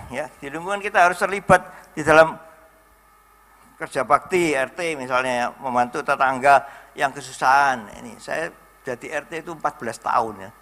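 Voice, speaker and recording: Man, middle-aged, pastor, folksy anecdotal sermon, bright tone. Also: medium pitch. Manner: folksy and chatty, full of anecdotes and tag words.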